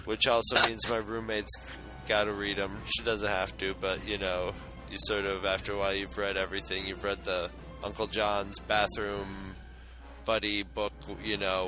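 A man's voice: low voice, rough recording. A man co-hosting a podcast in casual chat, talking in a jokey, rambling way. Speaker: podcast co-host.

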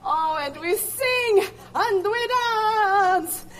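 A woman's voice: very high-pitched, very slow, fairly bright tone, exaggerated voice. An actress playing a kindly Italian Christmas gift-bringer woman, with an Italian accent and a lilting, theatrical way of talking to a live audience. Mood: warm, festive. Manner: lilting, theatrical, sprinkled with sighing "oh"s. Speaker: costumed holiday show performer.

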